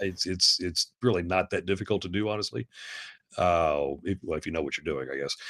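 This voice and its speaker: The voice has vocal fry and moves at a fairly quick pace with ordinary pitch variation. The recording is dry and close with no echo. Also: man, very deep, low pitch for a man. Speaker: hypnotherapist. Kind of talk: interview. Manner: halting.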